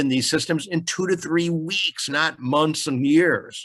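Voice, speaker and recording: A man with a Midwestern accent speaks at a moderate pace, his fairly high pitch showing ordinary variation. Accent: American Midwestern. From US Midwest, Chicago. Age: 70s. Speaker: keynote speaker, management accounting expert. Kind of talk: webinar lecture. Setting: online webinar. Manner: conversational, informal.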